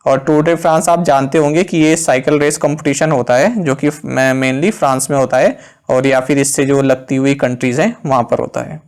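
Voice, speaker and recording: An Indian man hosting a current-affairs quiz lesson who reads each question slowly, then explains the answer in quicker asides. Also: mid-range voice, steady tone, a little mellow. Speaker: exam-prep quiz host.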